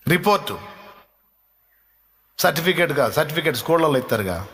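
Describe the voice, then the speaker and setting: A man preaching a sermon as a pastor, with emphatic repetition and slowing down for stress. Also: on the high side, expressive, fairly bright tone, long reverb tail.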